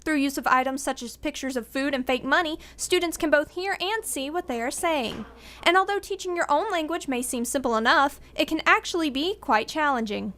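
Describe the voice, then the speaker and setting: A woman student reporter reading a scripted news package in an even manner. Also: high-pitched, fairly quick, a little hiss or hum.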